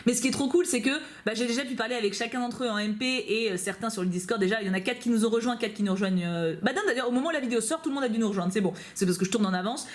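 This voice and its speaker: A woman's voice: on the high side, rapid-fire, hardly any pauses. A woman YouTuber chatting casually to camera from her couch at home, bubbly and full of fillers and asides. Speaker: YouTuber reacting to fan mail. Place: at home on a couch, dog nearby.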